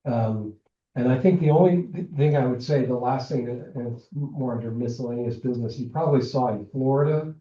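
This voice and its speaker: A man presenting at a public commission meeting, who is quick to jump into the conversation. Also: medium pitch. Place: meeting room. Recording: echoey room, distant mic, dull sound.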